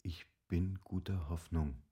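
A man playing a grave nobleman in a literary radio drama, reading his wife's intimate letter in a measured, solemn way. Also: sits low, steady tone, mellow, slightly rough, muffled recording. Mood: solemn, tender.

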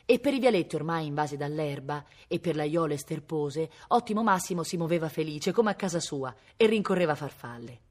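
A woman with a low voice reads a novel aloud, her delivery swinging widely in pitch. She reads expressively, throwing in imitations of animal sounds. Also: animated, a little fast, few pauses, darkish tone. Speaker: reader. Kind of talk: read-aloud novel narration.

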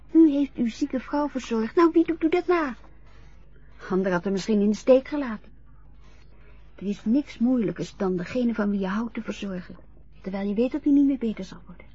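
An actress playing a kind young caregiver with a breathy voice. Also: female voice, on the high side, lively intonation, moderate pace, pauses often, mellow. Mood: gentle. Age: young adult. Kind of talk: radio drama acting. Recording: dull lo-fi radio play recording.

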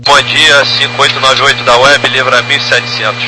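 Fast-talking male pilot over the radio. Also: medium pitch, little pitch movement, over music. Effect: aviation radio transmission. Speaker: airline pilot. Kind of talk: pilot radio communication, clipped readbacks. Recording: noisy aircraft radio transmission.

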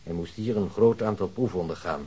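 An actor playing a self-assured hospital doctor in a Dutch radio drama, explaining things in a measured, pedantic way. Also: male voice, low voice, mellow, slightly rough. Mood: clinical, assured.

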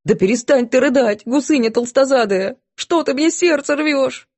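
A woman's voice: low voice, lively intonation, moderate pace, dark tone, no room sound. A woman voicing a coarse, hot-tempered cook who scolds and snaps rudely. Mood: shouting. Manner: rude, snapping, scolding.

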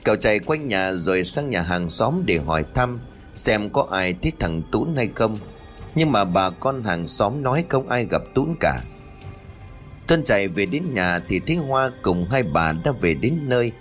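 A man narrating a spooky family story in an expressive, dramatic storytelling style. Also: fairly low pitch, a little slow. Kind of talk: scripted narration. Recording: faint background music.

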